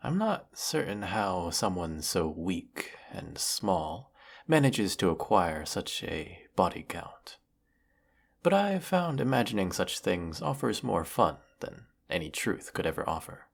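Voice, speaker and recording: A very low-voiced, imperious galactic emperor, acted by a man, speaks slowly and with grand formality. He sounds world-weary yet menacing, with a heavy creak in the voice, as in a scripted sci-fi audio drama. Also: very animated, heavily acted. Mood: softened, teasing. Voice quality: low, gravelly. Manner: pompous, theatrical, formal, drawn-out phrasing. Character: weary, menacing galactic evil emperor, secretly fond of servant. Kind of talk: scripted audio roleplay monologue.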